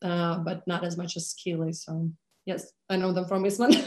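A woman's voice: fairly low pitch, fairly even intonation, measured pace, warm tone. A woman, a conductor and pianist, talking in a casual interview with many fillers and easy laughs. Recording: roomy echo.

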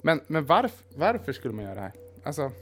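A playful, inquisitive man in casual chat with a very lively, bouncing intonation. He asks questions and jokes along with his partner. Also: fairly high pitch, faint music behind.

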